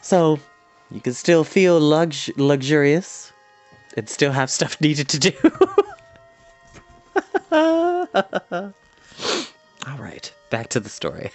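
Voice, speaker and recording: A man's voice: fairly high pitch, sing-song, slow pace, pauses often, faint music behind. A man reading a story aloud expressively, with informal, chatty asides to listeners. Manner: informal, explains words to listeners.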